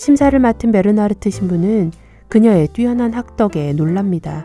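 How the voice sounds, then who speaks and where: With music in the background, a woman talks at a fairly slow pace and ordinary pitch variation. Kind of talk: educational history narration.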